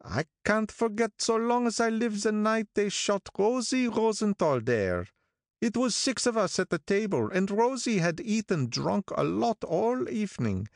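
High, strange-toned old gangster, slow and brooding, self-important, audiobook. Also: male voice, big pitch swings, creaky, no room sound, studio quality, exaggerated voice. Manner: slow, brooding, drawn-out delivery. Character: older male gangster, gloomy, sentimental, self-important.

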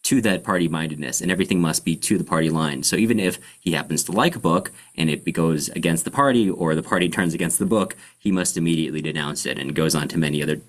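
Male podcast host, deep voice, casual explanatory delivery with halting searches for the right word. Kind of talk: casual book discussion.

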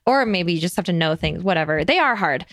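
A woman's voice: on the low side, animated, brisk, a bit bright, dry recording, clean studio sound. A woman hosting a podcast, chatting in a bubbly way with lots of fillers. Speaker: podcast host. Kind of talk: casual conversation.

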